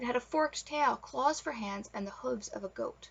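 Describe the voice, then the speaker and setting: A woman's put-on character voice, high-pitched, shaky and fairly quick. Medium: read story. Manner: trembling, gasping.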